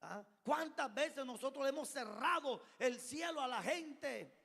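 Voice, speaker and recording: Fervent high-voiced male pastor preaching. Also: expressive, unhurried, creaky. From Colombia. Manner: storytelling sermon, rising to shouted exhortation. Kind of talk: sermon. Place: church hall. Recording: long church reverb.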